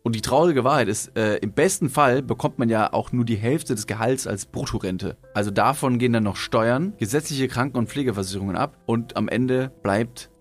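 A man's voice: mid-range voice, a little fast, hardly any pauses. A young man co-hosting a podcast, chatting loosely and reading an ad in a slangy, laid-back way. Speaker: podcast co-host. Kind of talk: casual podcast chat and host-read ad.

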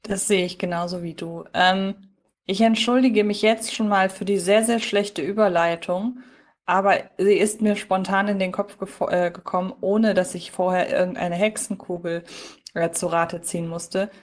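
A woman's voice: medium pitch, steady tone, moderate pace. A woman co-hosting a podcast, chatting casually in a reflective, wordy way as she thinks aloud. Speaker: podcast co-host. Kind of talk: casual unscripted review chat.

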